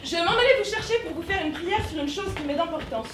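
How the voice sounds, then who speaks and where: A woman's voice: very high-pitched, animated, quick pace, recorded from a distance. A young woman playing a blunt, impatient man seeking advice in a stage comedy, exasperated in tone. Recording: roomy stage sound from afar, faint noise.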